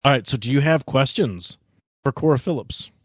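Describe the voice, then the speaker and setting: A man narrating as game master for his friends in a relaxed, loose way, with plenty of asides. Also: mid-range voice, normal speed, husky, dry recording, studio quality.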